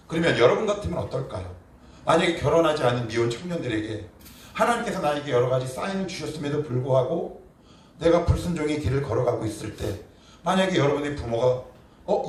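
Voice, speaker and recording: A male pastor preaching a sermon emphatically, posing rhetorical questions and answering them himself, moving between quiet and forceful delivery. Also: medium pitch. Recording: roomy echo, distant mic, faint noise.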